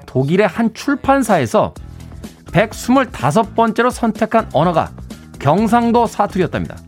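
A male radio host chats to his listeners from a studio, friendly and relaxed as he reads out their messages. His voice sits a bit high and swings through a lively range. Light music hums faintly in the background. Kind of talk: radio DJ talk.

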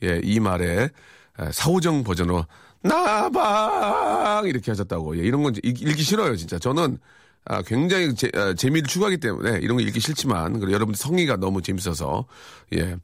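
A man's voice: lowish voice, very animated, fast, gravelly, no echo, clean studio sound. A man hosting a radio show in casual chat, reading out listener messages with wry, chatty reactions.

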